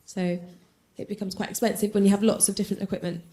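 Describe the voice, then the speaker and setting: A woman in the audience asking a question hesitantly, pausing with many fillers. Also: medium pitch, level tone, warm tone.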